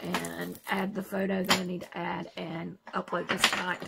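A soft-spoken woman at a moderate pace, against loud background noise. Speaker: craft video creator. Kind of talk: casual unboxing vlog; casual vlog chat. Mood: relaxed, chatty.

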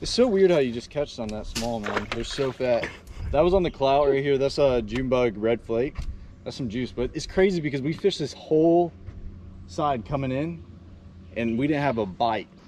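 The intonation is lively and the pace moderate, with a dry sound, no echo and light background noise. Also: man. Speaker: guest. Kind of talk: casual vlog chat. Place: boat. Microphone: camera far.

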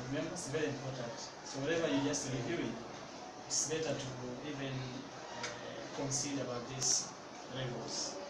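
Loud background noise and audible room echo fill the clip. The speech has long, frequent pauses. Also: moderate pace. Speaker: teacher trainer / coach. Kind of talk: coaching session. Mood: calm, instructive. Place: office. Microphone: camera far.

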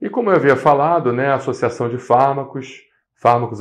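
Ordinary pitch variation runs through a man's voice as he speaks at a moderate pace. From Brazil. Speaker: allergy doctor giving a medical talk; physician lecturing. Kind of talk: lecture with slides.

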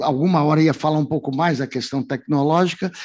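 Against a quiet background, the speech moves at a moderate pace with ordinary pitch variation. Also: man. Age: 60s. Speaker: professor; speaker. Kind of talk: conference talk. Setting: auditorium with audience. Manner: halting. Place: meeting room. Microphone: podium.

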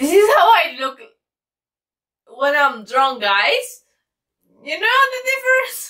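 Over a quiet background, a woman speaks in a raised, projected voice at a very slow pace. Her pitch swings very widely. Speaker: vlogger. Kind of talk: casual vlog chat. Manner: tipsy, loose, giggly drunk talk. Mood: playful, tipsy joking. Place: home room. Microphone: webcam.

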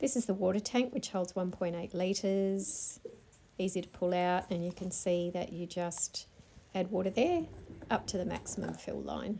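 In an Australian accent, a woman with a dark, mellow tone talks at a moderate pace and fairly even intonation amid light background noise. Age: 50s. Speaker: home product reviewer. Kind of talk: casual product review to camera. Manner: casual, chatty. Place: home room. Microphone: phone near.

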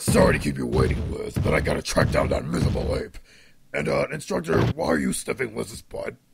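A man puts on a raspy character voice. He moves at a fairly quick pace. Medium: dub.

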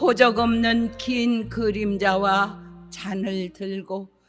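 Music plays in the background as a woman talks very slowly. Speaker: voice actor. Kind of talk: poetry reading.

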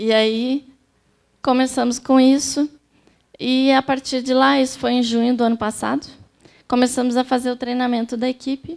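A woman's high-pitched, monotone voice with flat intonation over a quiet background. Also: moderate pace. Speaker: speaker. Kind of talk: lecture. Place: hall. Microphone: handheld.

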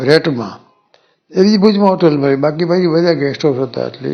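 One man talks, and his pitch varies in an ordinary way. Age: 90s (91). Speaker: hotel founder. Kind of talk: interview. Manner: halting.

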